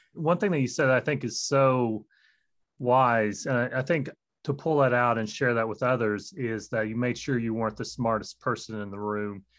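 In a plain, everyday voice, a man talks at a moderate pace, his medium pitch showing ordinary pitch variation. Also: quiet background. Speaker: podcast host and online instructor. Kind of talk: interview, podcast host.

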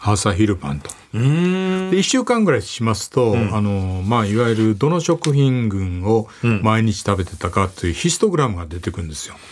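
Here a man with fairly low pitch talks at a moderate pace. His pitch swings are very wide. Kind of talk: radio interview explaining nutrition. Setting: studio.

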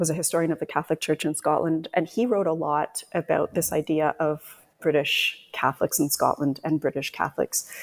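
A woman with a plain, everyday voice, fairly low in pitch, speaks at a moderate pace in a dry, close sound with no echo. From Cape Breton Island, Nova Scotia, Canada. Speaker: historian and author. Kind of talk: interview.

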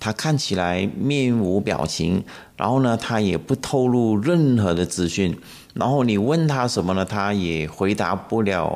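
A man's pitch sits fairly low. He talks at a fairly slow pace. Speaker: feng shui podcast host. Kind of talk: solo informational talk. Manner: halting, many fillers.

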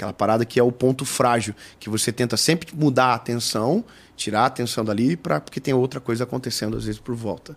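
Rattling along at a very fast pace, a man talks at a medium pitch with ordinary pitch variation. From Joinville, southern Brazil. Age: 30s. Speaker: evangelist preacher. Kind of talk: casual interview chat.

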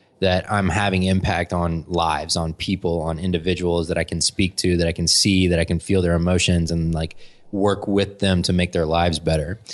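Against a quiet background, a man with a very deep, low voice speaks in a flat monotone. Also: very even loudness. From US South. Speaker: entrepreneurship coach. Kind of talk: casual interview chat. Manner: articulate, concise.

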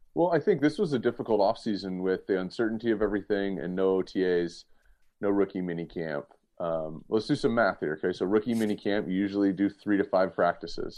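Very fast speech in an American accent, with ordinary pitch variation. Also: man, fairly low pitch for a man. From Southern California. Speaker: quarterback coach and former NFL player. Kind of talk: interview.

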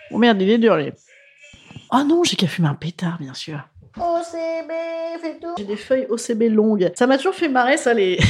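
Quiet and animated, a woman talks at a moderate pace with very wide pitch swings and long, frequent pauses over noticeable background noise. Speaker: podcast host. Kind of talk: casual solo monologue. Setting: alone at home.

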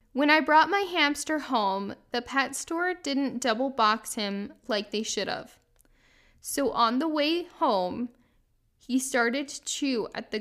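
On a very clean recording with a silent background, a woman with a high pitch and lively intonation speaks at a very slow pace. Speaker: podcast host. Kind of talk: casual chat. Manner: animated.

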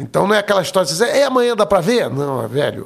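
A man's voice with very wide pitch swings. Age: 60s. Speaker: amateur astronomer and electrical engineer. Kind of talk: casual interview. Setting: studio, live broadcast.

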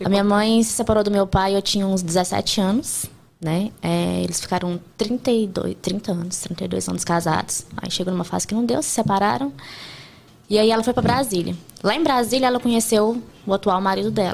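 A woman with a plain, everyday voice speaks at a moderate pace, with a medium pitch and ordinary pitch variation. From Brazil, Minas Gerais. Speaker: digital influencer. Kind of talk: casual chat.

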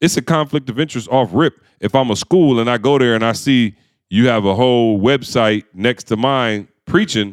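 A man uses a normal speaking voice at a medium pitch and moderate pace, with ordinary pitch variation and very even loudness. The sound is dry and close with no echo, in a very clean recording with a silent background. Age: 40s. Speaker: podcast host and speaker trainer. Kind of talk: casual chat.

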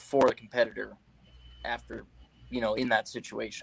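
The recording has a dry, close sound with no echo. A man speaks in it at a medium pitch. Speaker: co-host. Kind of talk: casual chat about motorsports.

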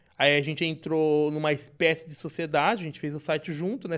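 A man's fairly high-pitched voice at a fairly quick pace over a quiet background. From Brazil, interior of São Paulo state (Araraquara). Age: 30s. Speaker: podcast guest, content creator. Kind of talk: casual chat. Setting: studio.

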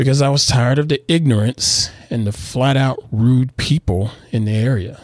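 A man in a Southern US accent, with ordinary pitch variation. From US South. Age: 40s. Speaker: photographer and podcast host. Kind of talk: personal statement.

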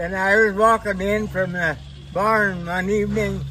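With an American accent, a man speaks at a fairly slow pace in a high pitch, his pitch varying in an ordinary way over noticeable background noise. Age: 80s+. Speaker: harness racing horseman. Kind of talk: interview. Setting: outdoors at racing event.

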